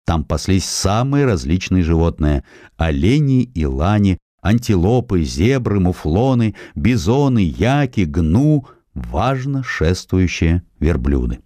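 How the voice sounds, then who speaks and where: A man reading historical essays as an audiobook narrator, measured and declamatory, with dramatic emphasis. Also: deep voice, very animated, warm tone, dry recording, studio quality.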